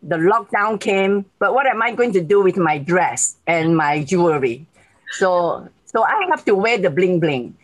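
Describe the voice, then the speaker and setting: Malaysian lady in her 60s on a video call, kinda low voice, chatty and grateful, laughs a lot. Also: animated, unhurried, poor audio. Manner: warm, grateful, laughs often. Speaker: guest speaker.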